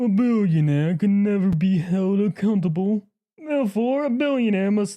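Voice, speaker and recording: A female-sounding voice of medium pitch speaks at a moderate pace. It is a put-on character voice. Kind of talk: snobby, upper-class.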